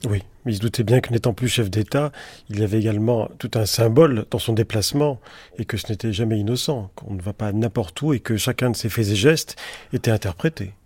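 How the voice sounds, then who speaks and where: A male radio host moderating a debate, posing long, measured questions to his guests. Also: fairly low pitch, darkish tone, slightly rough, dry recording.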